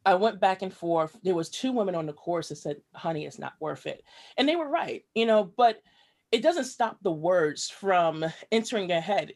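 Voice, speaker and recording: Earnest, reflective woman telling her story. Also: fairly low pitch. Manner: earnest and reflective, with frequent fillers and occasional laughs. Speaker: guest, writer and activist. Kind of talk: conversational interview storytelling.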